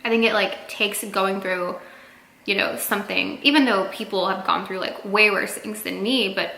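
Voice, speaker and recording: Woman vlogger, 30s, casual and chatty, fillers everywhere, bright voice in a roomy space. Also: mid-range voice, steady tone, normal speed, gravelly. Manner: chatty, many fillers, eats while talking. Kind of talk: casual talk to camera. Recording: echoey room with faint noise.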